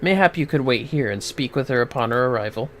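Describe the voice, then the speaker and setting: Speaking fast in a medium-pitched, animated, natural voice, a man does amateur voice acting of game dialogue. He plays a courtly, gracious fantasy noble, using theatrical, formal, archaic phrasing, with slight background noise.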